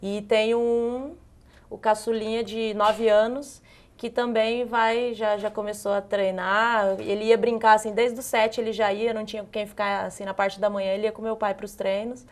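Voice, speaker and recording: A young woman from Brazil with a northern Paraná accent, a handball player answering interview questions in a soft, chatty way. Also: mid-range voice, little pitch movement, moderate pace. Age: young adult. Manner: soft-spoken, chatty, laughs easily. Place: TV studio.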